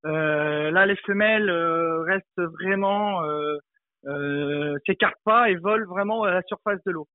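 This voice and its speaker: Male expert interviewee, high register, hesitant spontaneous explainer, dry and narrow telephone-style sound. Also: measured pace, no echo. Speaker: entomologist, interview guest. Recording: tinny, narrow phone-like line, dry.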